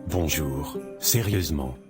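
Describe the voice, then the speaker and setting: A man's voice: very deep voice, takes it slowly, music in the background. A man playing a pushy, smitten divorced husband with a dramatic, insistent manner in a Christian cartoon. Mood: amazed, admiring. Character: smitten, pushy divorced man wanting his wife back. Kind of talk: scripted Christian animation dialogue.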